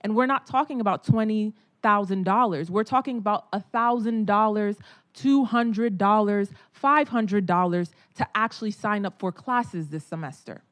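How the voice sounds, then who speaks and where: A woman speaks on a discussion panel in a medium-pitched voice. She argues emphatically and builds each point through repetition. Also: moderate pace.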